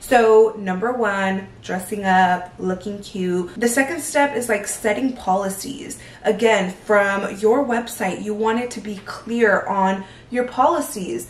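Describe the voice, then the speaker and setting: With audible room echo, a woman speaks at a fairly high pitch and a fairly slow pace, using ordinary pitch variation. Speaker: lash artist and YouTuber. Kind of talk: casual tutorial vlog. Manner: stumbles over words; casual, filler-heavy.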